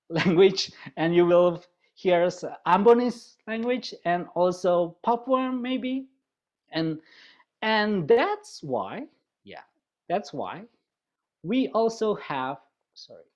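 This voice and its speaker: A man's voice: on the high side, a little mellow. Indonesian guy presenting on a webinar, chatty, keeps restarting, asks the audience stuff, kinda muffled call audio. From West Java, Indonesia. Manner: chatty, draws in listeners with questions; halting, with frequent restarts. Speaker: university lecturer presenting.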